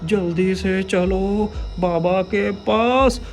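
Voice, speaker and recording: A frantic villager from a cartoon tale, acted by a man, pitched high and pleading urgently for help. The lines are high-strung, with music underneath. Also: drawn-out words, creaky, heavily acted. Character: frantic village men, a pleading father and village headman.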